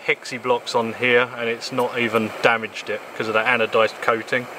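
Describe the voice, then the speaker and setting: A man in his thirties from England casually reviewing a camping table outdoors in the woods, with a relaxed manner and plenty of ums and uhs. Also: medium pitch, moderate pace, background noise. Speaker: gear reviewer. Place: outdoors in woodland.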